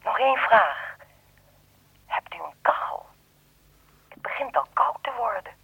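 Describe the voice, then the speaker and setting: An actress playing a lonely, solicitous old lady with a husky voice in a radio play. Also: on the high side, very animated, measured pace, bright, forceful tone, no echo, exaggerated voice, low-quality recording. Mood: tender, concerned. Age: older.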